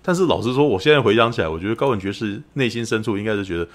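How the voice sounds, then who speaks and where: Fast-talking podcast host. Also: male voice, on the low side. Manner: animated storyteller, keeps asking "you know?". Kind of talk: casual film review chat.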